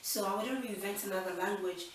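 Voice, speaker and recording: A woman's voice: medium pitch, fairly quick, very echoey, recorded from a distance, a little hiss or hum. A woman in her twenties from Nigeria hosting a casual Q&A vlog, chatty and upbeat, thinking aloud with fillers. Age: 20s. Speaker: channel host.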